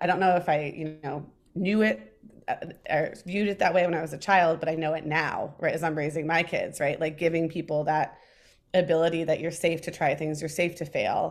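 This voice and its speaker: A woman with a plain, everyday voice and an American accent speaks at a fairly quick pace with a fairly low pitch and fairly even intonation, on a very clean recording with a silent background. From Ohio (Columbus). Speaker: startup founder, former lawyer. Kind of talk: interview.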